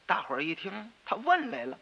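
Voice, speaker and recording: A man telling a traditional storytelling piece, lively and rhythmic. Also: high-pitched, a little fast, gravelly, slightly rough. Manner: lively, rhythmic, switching between character voices. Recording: dull radio recording with long reverb.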